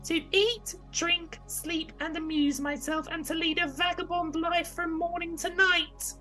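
A man voicing a naughty, insolent wooden puppet boy who is quick to anger, in a childlike put-on voice for a storybook. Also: little pitch movement, pushed and bright, faint music behind, heavily acted. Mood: carefree, boastful. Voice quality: high-pitched, childlike put-on voice. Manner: defiant, bossy.

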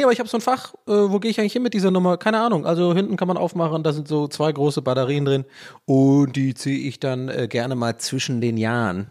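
Rambling, self-mocking German podcast host. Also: male voice, a little high, darkish tone. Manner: jokey, self-mocking, loses his thread and restarts. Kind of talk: rambling solo podcast monologue. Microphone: home podcast microphone.

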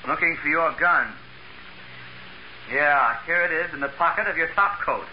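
A man's voice: fairly high pitch, moderate pace, natural voice. An actor playing an urgent, bossy salesman roommate in a 1940s radio drama, firing insistent questions and orders. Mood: tense, commanding. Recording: dull, hissy old radio recording.

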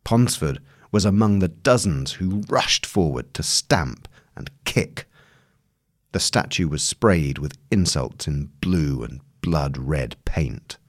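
Very deep-voiced man narrating. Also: a little mellow, dry recording, studio quality. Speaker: narrator reading a long-form news article. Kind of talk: scripted narration, audio long read.

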